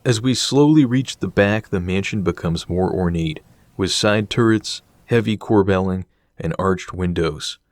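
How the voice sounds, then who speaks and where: Low-voiced man narrating, dry sound. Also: unhurried, no echo. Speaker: host and narrator of an urban exploration series. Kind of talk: scripted documentary narration.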